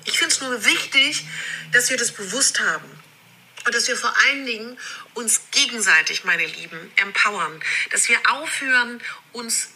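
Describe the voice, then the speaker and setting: Woman, passionate motivational talk, emphatic repetitions, bright tone, re-recorded video audio with poor sound quality. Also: fairly high pitch, animated, moderate pace, a little hiss or hum. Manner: passionate, emphatic, repeats words for effect. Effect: video audio re-recorded for the podcast, poor sound quality. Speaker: podcast host. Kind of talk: motivational self-love talk. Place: friend's garden shed.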